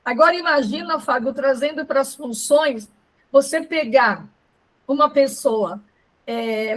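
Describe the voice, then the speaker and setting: A woman's voice: sits high, low-quality recording. A woman co-hosting a casual live sales class, talking to her audience and asking them questions. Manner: engaging, asks the audience questions. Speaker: co-host, sales trainer.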